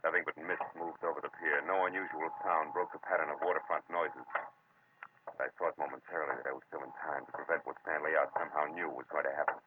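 An American man playing a terse, wry, hard-boiled private detective in 1940s radio crime drama. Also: very deep voice. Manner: terse, wry, tough-talking. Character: hard-boiled male private detective narrating his own case. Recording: muffled, noisy old radio recording.

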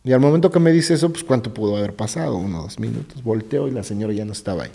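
With a very fast, gravelly, husky delivery, this middle-aged Mexican-accented gravedigger shares ghost stories as a guest in lively conversation. He tells them vividly, regularly sinking into hushed low tones, and the recording carries roomy reverb.

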